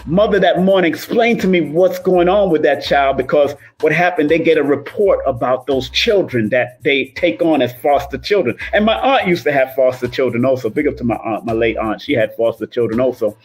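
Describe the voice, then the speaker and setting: A man's voice: on the high side, brisk, hardly any pauses. A man talking casually and motivationally as a numerologist livestreaming, emphatic and repetitive, rolling his R's. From Cuban and Jamaican heritage. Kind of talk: casual motivational monologue to live viewers.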